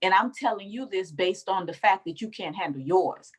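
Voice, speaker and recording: A woman's voice: medium pitch, expressive, moderate pace, slightly rough. A woman from the Bahamas talking as an interview guest, telling her story emphatically and calling the listener baby. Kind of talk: casual interview conversation.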